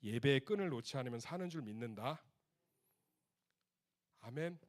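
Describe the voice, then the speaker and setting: A middle-aged man preaching a youth retreat sermon as pastor, telling stories animatedly and speaking to the teens in casual speech, swinging between loud outbursts and soft hushed passages. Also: mid-range voice, expressive, moderate pace.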